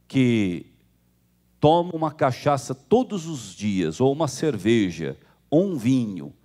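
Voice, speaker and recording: Lively Brazilian Portuguese pastor preaching. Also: male voice. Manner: animated, acts out quoted people with jumps in pitch. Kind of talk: sermon.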